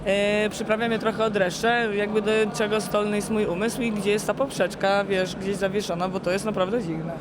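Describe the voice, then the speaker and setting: A sleep-deprived woman athlete giving a casual interview, halting and searching for words. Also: mid-range voice, steady tone, background noise. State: sleep-deprived after three days awake. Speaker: endurance swimmer being interviewed. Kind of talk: casual post-challenge interview.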